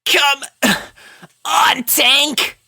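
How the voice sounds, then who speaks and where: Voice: high voice, steady tone, extremely slow, creaky, pushed and bright, pitched above the performer's own voice, heavily acted. A performer voicing a brash, frantic young female pegasus pony with urgent, strained delivery in a storybook reading. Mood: strained, straining. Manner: urgent, strained, hesitant bursts.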